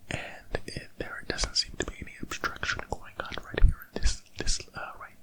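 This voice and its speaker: Someone in a whispered role-play as a gentle, reassuring hearing examiner, whispering close into one ear and then the other, softly repeating words. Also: moderate pace. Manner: close ear-to-ear whispering, moving between left and right ear. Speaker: ASMR performer playing a hearing examiner.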